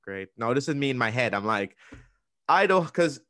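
A man in his thirties from Trinidad with a Trinidadian accent, telling stories in a casual podcast chat, talking fast and restarting his sentences often. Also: mid-range voice, sing-song, sharp tone, no echo, studio quality. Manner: fast, rambling, with many restarts.

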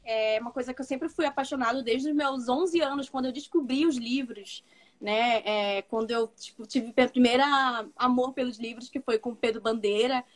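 High-voiced Manaus woman, chatty. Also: normal speed. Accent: northern Brazilian (Manaus). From Manaus, Amazonas, northern Brazil. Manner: chatty, laughs often, many fillers and restarts. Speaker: comics editor, guest. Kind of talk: casual interview chat.

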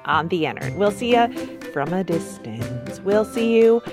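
Wry low-voiced woman podcast host. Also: big pitch swings, moderate pace, over music. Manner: wry, playful asides. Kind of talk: scripted podcast narration.

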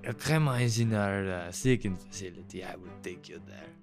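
A young man improvising as a player in a role-playing game, talking casually in a halting, matter-of-fact way. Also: low-pitched, soft background music.

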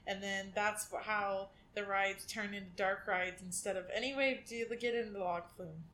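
A woman playing a tabletop game, talking quickly and haltingly, often restarting her sentences. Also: medium pitch, steady tone, pushed and bright. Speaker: player. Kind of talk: casual tabletop game play.

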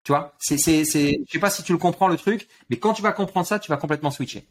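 A man's voice: a little high, quick pace. A man, a guest coach in an interview, explains his ideas with analogies and often repeats words as he builds his point. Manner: animated teaching with sports analogies, repeats words.

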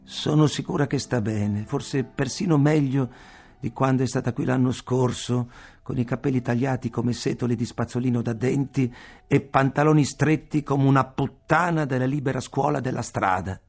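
A man reading aloud voices a bitter, fierce old grandmother who hurls shrill, accusing outbursts. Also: normal speed, darkish tone, natural voice. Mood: scornful.

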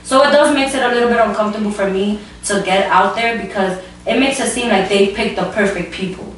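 A woman's voice: mid-range voice, fairly quick. A young Dominican woman in her early twenties talking earnestly in an interview, filling her sentences with likes and ums. She sits far from the mic in a very echoey room with a faint hum. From Dominican Republic. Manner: earnest, frequent likes and fillers. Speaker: plus-size model. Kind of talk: casual interview answer.

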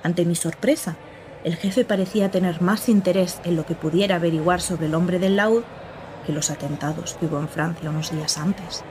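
A woman's voice: lowish voice, steady tone, moderate pace, background noise, natural voice. A woman narrating in the first person as a young journalist, in a wry, reflective way. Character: young female journalist narrating her story.

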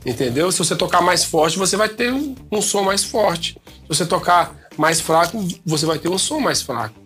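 A man's voice: sits high, lively intonation, moderate pace, fairly bright tone, soft background music. A man, a guest sound technician and DJ, telling a story in casual talk and repeating phrases for effect.

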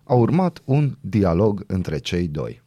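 A man's voice: deep voice, very animated, dark tone, husky, highs cut off. A male morning radio host reading the news and joking in a dry, mocking way. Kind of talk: casual radio banter. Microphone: studio microphone.

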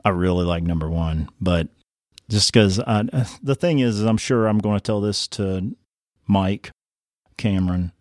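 A man's voice: deep voice, unhurried, a little mellow, no room sound, clean studio sound. A man on a trivia podcast panel, chatting casually in a rambling, self-deprecating way. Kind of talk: casual chat.

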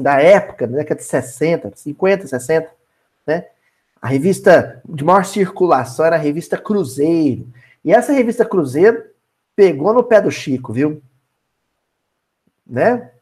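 A lively man leads a Bible study lesson, his pitch swinging widely as he explains. He talks in a relaxed, colloquial way and keeps turning to his listeners with questions. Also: normal speed, breathy edge. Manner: animated, colloquial, asks the audience questions. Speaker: Spiritist study leader.

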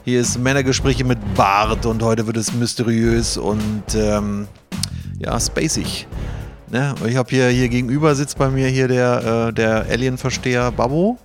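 A man hosting a podcast, chatting casually in a halting, informal and excitable way. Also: mid-range voice, music in the background. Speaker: podcast host. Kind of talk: casual chat, presenting to co-hosts.

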